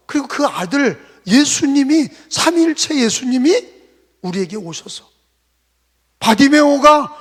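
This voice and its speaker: A man preaches from the pulpit in an unusually high voice with a gravelly edge. He presses his point with rhetorical questions and sudden loud bursts. His words trail off into a long hall echo. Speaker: pastor. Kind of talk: sermon. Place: church sanctuary.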